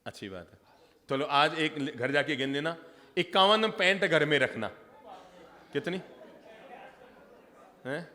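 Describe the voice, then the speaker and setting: A man's voice: a little high, expressive, slow pace, pauses often, pushed and bright. Humorous preaching man in a reverberant hall. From Rajasthan, India. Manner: humorous, engages audience directly. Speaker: Jain monk preacher. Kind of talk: sermon.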